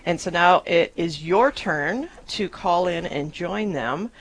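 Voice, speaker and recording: A woman with a fairly low voice for a woman co-hosts a live radio fundraising drive. She talks in an upbeat way, thanking donors and slowing down to repeat the call-in number. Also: a little hiss or hum, low-quality recording.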